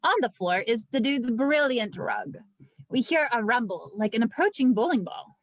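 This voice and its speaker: A woman's voice: a little high, animated, moderate pace, dry recording. A woman narrating stage directions from a script at a table read.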